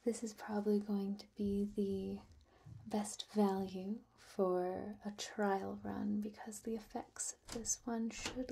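A young woman doing a soft-spoken ASMR roleplay as an apothecary, hushed and gentle, often close to a whisper into a near microphone. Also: mid-range voice. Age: young adult. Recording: clear background noise with clicks.

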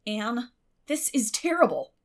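A woman's voice: fairly high pitch, very animated, unhurried. A woman voicing a stern, exasperated older female guardian in an audiobook, with a clipped, emphatic delivery. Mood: angry.

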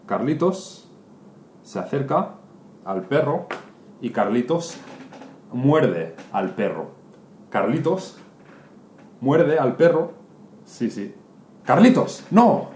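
A very slow, repetitive man tells a simple story for learners, putting plenty of animation into each phrase. His voice is mid-pitched, the room around him is roomy, and a faint noise sits in the background. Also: very animated, darkish tone. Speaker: Spanish teacher.

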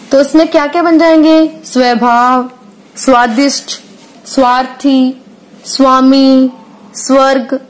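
Slow patient woman teacher, high voice. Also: rough recording. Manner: patient, drawn out, asks and answers her own questions, frequent "theek hai". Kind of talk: slow classroom lesson explaining a workbook.

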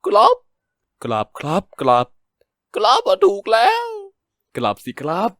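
A man's voice: high voice, huge pitch swings, normal speed, dry recording, clean studio sound. A man voicing a drunk, heartbroken young man who slurs and stumbles through his words between sobs. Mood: drunk sobbing. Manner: slurred, stumbling, sobbing speech.

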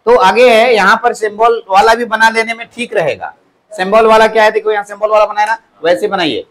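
High-voiced man lecturing a class. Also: brisk, fairly bright tone. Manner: repeats key words as questions to the class. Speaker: polytechnic teacher. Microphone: clip-on mic at the waist.

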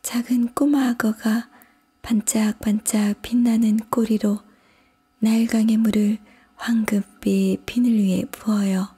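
A woman voicing a curious, puzzled little girl, whispered role-play with a breathy whisper and a bewildered, questioning way of talking to herself. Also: on the high side, mellow, pitched above the performer's own voice, exaggerated voice. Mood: reciting.

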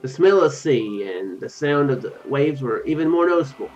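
A man's voice: mid-range voice, animated, normal speed, a little mellow. A young man doing casual let's play commentary, reading game text aloud and rambling into joking asides. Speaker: video game streamer. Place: small room at home, indoors. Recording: dull lo-fi home mic, music behind. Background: game music.

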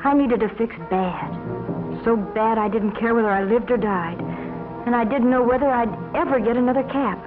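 A woman's voice: on the high side, moderate pace, lightly acted. An American woman playing a troubled young former addict, narrating her confession wearily in a 1950s educational film. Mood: weary, bitter. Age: young adult. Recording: muffled 1950s film soundtrack, music behind.

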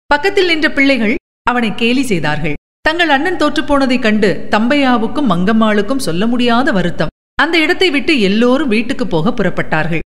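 Expressive woman storyteller with long reverb. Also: a little high. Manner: expressive, animated reading. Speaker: radio storyteller and host. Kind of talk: scripted short story narration.

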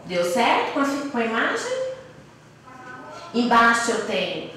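A woman's voice: fairly high pitch, huge pitch swings, bright, forceful tone. Patient teacher woman, echoey and distant. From Brazil. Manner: slow, patient, sounds out syllables. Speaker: primary school teacher. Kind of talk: classroom lesson for young children.

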